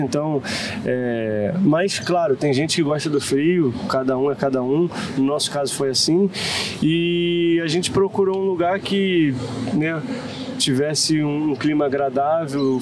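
A man from Rio talks as a guest in a casual outdoor chat. He gropes for his words, with lots of pauses and restarts. Clear outdoor noise sits under his voice. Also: on the high side. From Rio de Janeiro, Brazil. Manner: hesitant, many fillers and restarts. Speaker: interview guest. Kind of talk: casual conversation. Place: outdoors in a city park.

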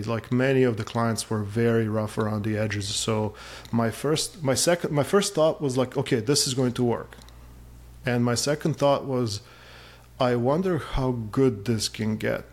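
A man's voice: mid-range voice, a little mellow. A man in his forties from Serbia, chatting casually as an interview guest, with lots of fillers and a self-deprecating humor.

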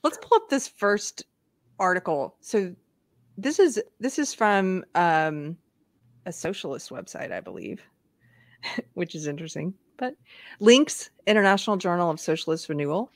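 A woman co-hosts a casual live show and reads articles aloud between chat. Her voice is fairly low for a woman, and her tone is upbeat and giggly. The recording is close and dry. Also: sing-song, unhurried, no echo. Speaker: co-host.

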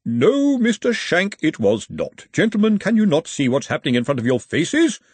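A man's voice: on the high side, huge pitch swings, normal speed, a little mellow, slightly rough, no room sound, pitched above the performer's own voice, exaggerated voice. A man voicing a pompous, over-precise male referee in an audiobook. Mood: haughty.

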